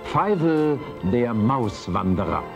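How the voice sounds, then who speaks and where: Lively male trailer narrator over loud music. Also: medium pitch, slow, gravelly. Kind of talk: scripted cinema trailer narration.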